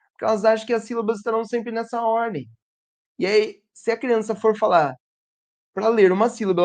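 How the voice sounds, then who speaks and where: A man teaching a literacy lesson who sounds out letters and syllables slowly and asks his audience rhetorical questions. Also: high-pitched. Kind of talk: teaching lesson to educators and parents.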